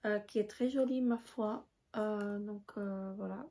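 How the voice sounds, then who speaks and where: A woman chatting casually in a show-and-tell vlog, hesitant with many filler pauses. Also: medium pitch, fairly even intonation, warm tone. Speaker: beauty vlogger.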